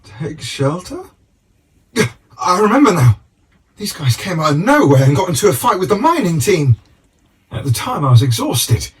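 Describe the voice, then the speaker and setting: Weary old British granddad miner. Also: male voice, high voice, sing-song, moderate pace, pauses often, distant mic. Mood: weary, aggrieved. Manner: hesitant, bewildered, complaining. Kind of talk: video game voice acting.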